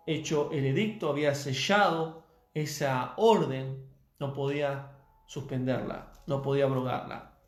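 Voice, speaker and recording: A man delivers a sermon at a slow, deliberate pace, his voice sitting a little high. He leans on repeated phrases for emphasis, and the room around him rings with echo while soft music plays faintly underneath. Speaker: preacher.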